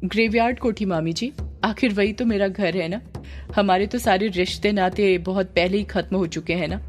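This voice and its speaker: Yug, a polite, gently firm young man, read by a woman. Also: medium pitch, moderate pace, lightly acted.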